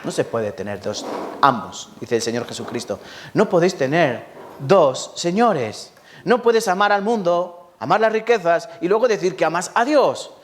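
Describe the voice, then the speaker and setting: A man from Spain with a Spanish accent, preaching a lively Sunday sermon in church, repeating words for emphasis and often asking the congregation questions. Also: high-pitched, moderate pace, slight background noise. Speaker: pastor.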